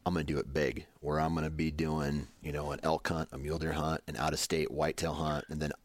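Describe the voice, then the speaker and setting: A man's voice: extremely low pitch, flat delivery, quick pace, no room sound. A man in his late thirties, chatting casually as a podcast co-host in a laid-back, hesitant way with many ums and uhs. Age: 30s. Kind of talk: casual chat.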